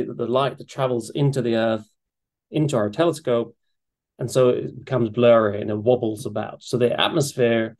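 Middle-aged man from Sweden, lecturer on a video call, chatty and enthusiastic, mid-pitched voice. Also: a little mellow. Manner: enthusiastic, conversational, with frequent restarts and fillers. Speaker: astrophysics lecturer. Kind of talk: public science lecture. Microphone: webcam or desk mic on a video call.

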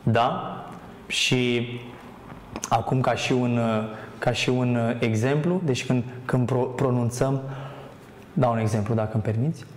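A man's voice: medium pitch, fairly even intonation. Man, TV talk guest, earnest and hesitant, spiritual talk, roomy studio sound. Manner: earnest, hesitant with many fillers, sometimes chants softly.

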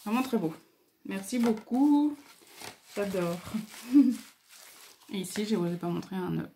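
A woman hosting a casual craft video, talking hesitantly with many fillers and pauses as she admires what she shows. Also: mid-range voice, lively intonation, a little hiss or hum. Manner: admiring, soft-spoken. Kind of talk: casual show-and-tell.

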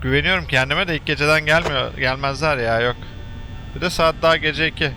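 A man talking through a horror game he is playing, joking to himself and yelling when scared. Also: a little high, fairly quick, a little hiss or hum. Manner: chatty, jokey, shouts and curses when startled. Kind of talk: let's play commentary.

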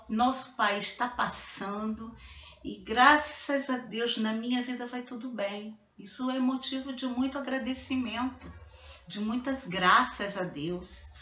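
A chatty woman in her fifties talks straight to her laptop webcam from her living room. Her voice is bright and clear, with a roomy echo. The sound is dull and lo-fi. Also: medium pitch. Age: 50s. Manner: chatty, repeats words and adds tag questions. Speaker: beauty vlogger. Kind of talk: casual chat to camera. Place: living room at home, indoors.

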